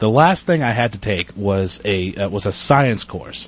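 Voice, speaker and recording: A man speaks in a somewhat breathy voice. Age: 20s. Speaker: comedian. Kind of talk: casual chat. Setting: studio.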